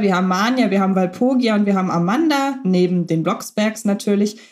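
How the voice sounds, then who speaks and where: A woman's voice: fairly high pitch, darkish tone. A woman co-hosting a podcast, talking in a chatty, thoughtful way while unwell. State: ill, recovering. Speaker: podcast co-host. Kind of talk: casual chat.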